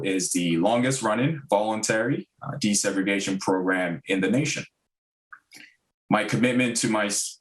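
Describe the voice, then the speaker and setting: A man in his thirties, originally from Ghana, speaks to a public school meeting in a fairly low voice. His delivery is earnest and measured, dotted with um and uh. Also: low-quality recording. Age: 30s. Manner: earnest, measured, frequent um and uh fillers. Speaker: district diversity director. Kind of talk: prepared remarks at a public meeting.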